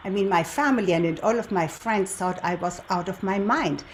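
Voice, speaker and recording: A woman in her seventies from Germany, a native German speaker with a German accent, hosts a show, introducing herself and telling her story in a deliberate manner with rhetorical questions. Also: medium pitch, a little hiss or hum. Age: 70s. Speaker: show host, lifestyle and relationship coach. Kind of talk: presenter's introduction and personal storytelling to viewers.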